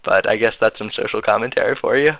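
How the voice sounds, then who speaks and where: A man's voice: on the low side, fast talker, creaky, a bit bright, dry recording. A young man giving casual, rambling game commentary with lots of fillers and hedges, on a headset mic. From United States. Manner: rambling, hedging, many fillers. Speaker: esports commentator.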